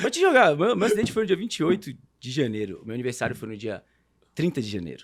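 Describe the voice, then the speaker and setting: A man talks at a very fast pace with a fairly high pitch and vocal fry. His pitch swings very widely, and his loudness shifts a lot. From Santarém, Pará, northern Brazil. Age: 30s. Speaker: airplane pilot, survivor guest. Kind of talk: interview testimony. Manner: halting, repeats words.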